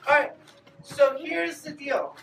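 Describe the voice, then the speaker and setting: A woman teaching a children's Bible class in a playful, animated way, coaxing the kids to join in. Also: high voice, slow pace, creaky, recorded from a distance, slight background noise. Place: large echoey room with a group of children. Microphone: camera at a distance. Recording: roomy echo, recorded from afar.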